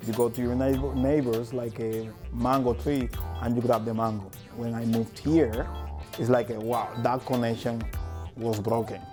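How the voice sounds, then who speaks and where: A man's voice: medium pitch, little pitch movement, normal speed, music in the background. A man with a Cuban accent, speaking earnestly in a documentary interview about food sovereignty. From Cuba.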